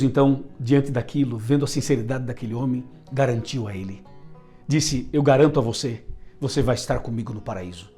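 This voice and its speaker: Homem pregando com música suave. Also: male voice, a little high, dark tone. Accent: Brazilian Portuguese. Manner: emphatic, repeats phrases for effect. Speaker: preacher. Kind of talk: sermon.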